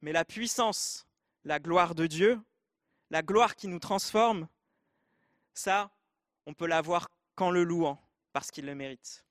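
A man's voice: a little high, slow pace, long pauses, a bit bright, dry recording, clean studio sound. A man with an Arabic accent preaching a sermon, speaking earnestly and directly to the congregation.

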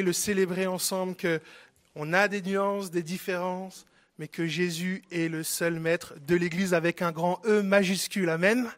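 A man's voice: sits high, a bit bright. A man, a pastor hosting a church service and addressing the congregation. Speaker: pastor welcoming a guest preacher.

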